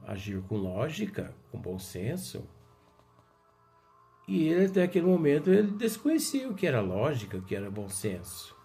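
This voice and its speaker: Man teaching from a book, lively pitch, slow unhurried delivery, faint music underneath. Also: vocal fry. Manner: animated, playfully acts out the characters' exchanges. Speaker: study group leader. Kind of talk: reading aloud and explaining a spiritist book.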